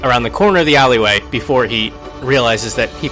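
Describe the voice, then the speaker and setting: A man's voice: mid-range voice, fast talker, bright, forceful tone, soft background music. A man playing a tabletop game, describing his character's actions in a hesitant, improvised, descriptive way.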